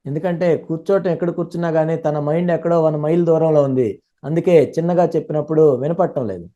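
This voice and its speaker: A man interpreting a sermon live, speaking fluently and running his sentences together quickly. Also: on the high side, fairly even intonation, warm tone, highs cut off.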